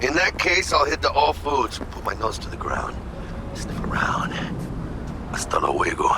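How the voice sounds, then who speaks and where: A brash Latino mercenary from a video game. His slangy street talk swings hugely in pitch and carries easy swagger. Car and street noise runs strongly around him. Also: huge pitch swings, a little slow. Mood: casual.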